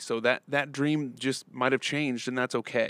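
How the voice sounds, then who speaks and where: Recorded very cleanly against a silent background, a man with a fairly high pitch talks at a fairly quick pace in a dry, close sound with no echo. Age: 30s. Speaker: podcast host. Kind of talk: casual monologue. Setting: instagram live stream. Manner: halting, many fillers and repetitions.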